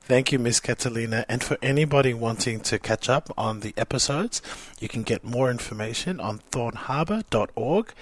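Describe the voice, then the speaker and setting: A man's voice: mid-range voice, no room sound. A man hosting a conversational radio interview podcast. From Samoan, living in Australia.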